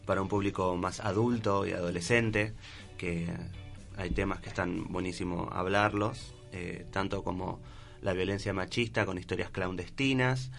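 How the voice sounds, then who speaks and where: A man with a Buenos Aires accent chats as a radio interview guest. His voice is very low and creaky, and music plays behind him. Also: steady tone, moderate pace, a bit bright. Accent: Buenos Aires Argentine. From Argentina, Buenos Aires province. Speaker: guest, clown theatre performer. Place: radio studio.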